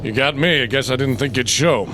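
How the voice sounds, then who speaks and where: A man's voice: mid-range voice, brisk, natural voice. A man playing a suspicious small-town police captain in an audio drama, folksy, needling and threatening. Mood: dry suspicion. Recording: loud music under the voice.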